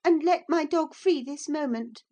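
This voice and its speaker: A woman's voice: unhurried, mellow. A woman reading an audiobook and voicing a spoiled, imperious young girl who is demanding and easily brought to tears. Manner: shrill, demanding, indignant.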